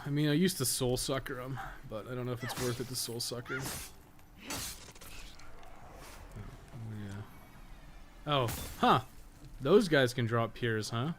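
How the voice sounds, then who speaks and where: A man's voice: mid-range voice, a little hiss or hum. A man chatting casually on a game livestream, blunt, opinionated and sweary as he rambles. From North America. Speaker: game streamer and podcast co-host. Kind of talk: casual livestream chat while playing a game.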